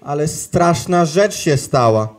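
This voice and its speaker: A man's voice: a little high, animated, takes it slowly. An actor playing an earnest, pious male archangel in a rhyming nativity comedy. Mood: worried.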